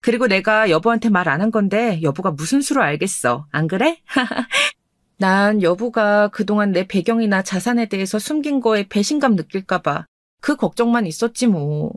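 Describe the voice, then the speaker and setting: A woman voicing a calm, confident and teasing wealthy wife in a dramatized radio story. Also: mid-range voice, normal speed, dry recording, clean studio sound, natural voice. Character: rich, self-assured young wife.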